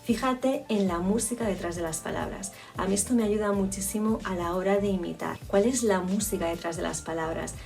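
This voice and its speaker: Creaky-voiced woman coaching speech. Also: mid-range voice, a little fast, few pauses, a little mellow, distant mic, soft background music. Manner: reflective, explanatory, with frequent restarts. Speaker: public speaking coach. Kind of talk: spoken lesson on communication.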